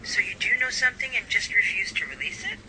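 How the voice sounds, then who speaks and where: A man acts as a persistent female reporter in an audio drama. The voice is high and strikingly sharp, with a pointed, wry delivery and faint noise behind it. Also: quick pace, poor audio. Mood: pressing. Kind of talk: radio drama acting.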